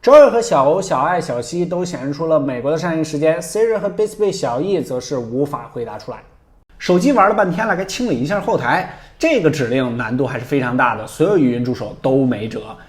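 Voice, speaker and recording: Male tech review host: brisk, lively-pitched scripted narrator with a playful, wry edge.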